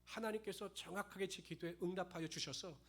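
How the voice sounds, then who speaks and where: A male pastor delivering a sermon, telling stories with emphatic, lively emphasis. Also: sits high, a little fast. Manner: emphatic storytelling preacher.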